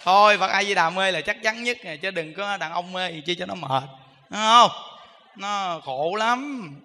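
A Buddhist monk with a Southern Vietnamese accent gives a humorous sermon in a high, bright voice. His talk is chatty and teasing, full of asides to the listeners. His voice carries a long reverb, as in a temple hall. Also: unhurried, a little hiss or hum. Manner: chatty, teasing, keeps asking the audience "right?".

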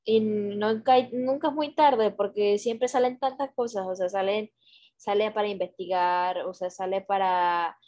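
A woman's voice: mid-range voice, steady tone, a little slow, darkish tone. A young woman talking casually on a video call, hesitant, with many fillers and restarts. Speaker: guest, graphic designer. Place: small room at home, indoors. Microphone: headset on video call. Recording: dull lo-fi video call audio.

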